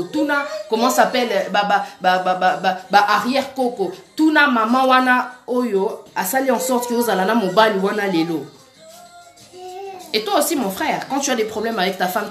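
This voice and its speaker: A woman delivers an exhortative, preaching-style monologue, earnest and direct, calling on her listeners. Her voice sits a little high and rings in an echoey room, with faint music underneath. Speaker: Christian speaker. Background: faint background music.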